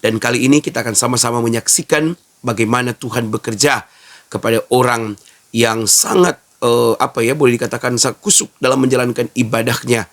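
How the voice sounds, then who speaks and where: A man's voice: mid-range voice, fairly even intonation, a little fast. A man hosting a Christian program, speaking to viewers in a formal, devout, preacherly introduction.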